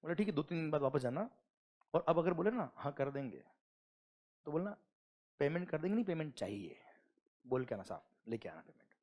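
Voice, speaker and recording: A middle-aged man teaching tax law in a classroom. His voice sits high and swings widely as he acts out a story and fires questions at his students. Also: very animated, fairly quick, pauses often, a little mellow. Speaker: GST lecturer. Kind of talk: classroom lecture with acted anecdote.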